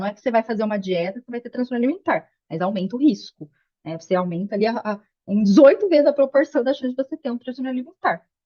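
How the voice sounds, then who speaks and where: A woman at a very fast pace, her intonation lively. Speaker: nutritionist. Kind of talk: online class talk.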